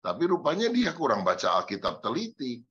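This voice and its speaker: A male pastor delivering a lively sermon to a congregation, addressing his listeners directly and acting out the quotes he tells. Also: medium pitch, a little fast, dull audio. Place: church.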